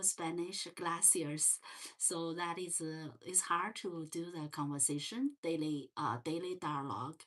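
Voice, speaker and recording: Woman, Chinese accent, unhurried, gentle livestream host, slightly low voice. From China. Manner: slow and gentle, many fillers and restarts. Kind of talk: casual livestream chat. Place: parents' home.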